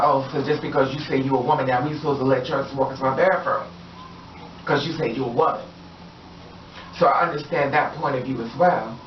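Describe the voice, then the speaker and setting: Here a deep-voiced woman vlogs her views casually, repeating herself with emphasis as she preaches encouragement. The lo-fi audio sounds dull, distant and roomy, with a slight hiss or hum.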